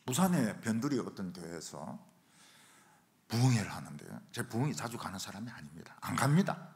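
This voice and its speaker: A middle-aged man preaching a revival sermon in a church, telling stories and acting out shouted quotes. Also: on the low side, brisk, vocal fry. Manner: animated storytelling, acts out shouted quotes. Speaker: pastor. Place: church sanctuary.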